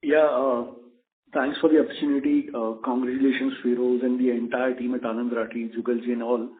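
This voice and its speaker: A man's voice: medium pitch, flat delivery, a little fast. Man on a noisy phone line. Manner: hesitant, polite, circling around the point. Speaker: investor asking a question on a call.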